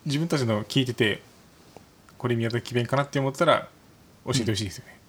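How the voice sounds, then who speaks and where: A man co-hosting a podcast, polite and quick to laugh. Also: mid-range voice, fairly bright tone, breathy edge. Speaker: podcast co-host. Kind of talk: casual chat.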